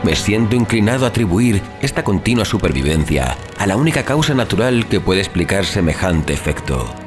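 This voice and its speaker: A man narrating a horror audiobook in a measured, solemn, theatrical manner, as a dramatic scripted reading. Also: fairly low pitch, big pitch swings. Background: music.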